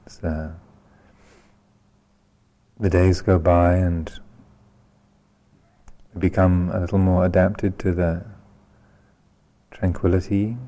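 Long pauses mark this man's unhurried guided meditation, delivered in a calm, gentle way. He has a deep voice.

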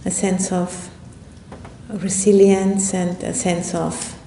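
Low, mellow woman guiding meditation, gravelly edge. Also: little pitch movement. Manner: unhurried and reflective, with long pauses. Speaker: Buddhist nun and meditation teacher. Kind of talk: guided meditation talk. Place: indoor room at a retreat center. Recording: roomy echo, faint rumbling background noise.

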